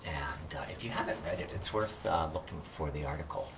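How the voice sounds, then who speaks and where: A man who is a minister, speaking informally and reflectively with pauses, sharing thoughts and poetry. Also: very deep voice, creaky. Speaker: Unitarian Universalist minister. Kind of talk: informal video talk with poetry reading. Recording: distant mic, loud background noise.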